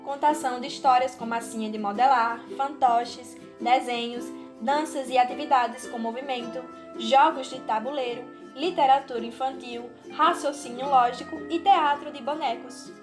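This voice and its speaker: Female co-presenter, Brazilian, high-pitched, reading from a script with music underneath. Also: steady tone, normal speed, hardly any pauses. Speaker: podcast co-presenter. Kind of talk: scripted narration. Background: background music.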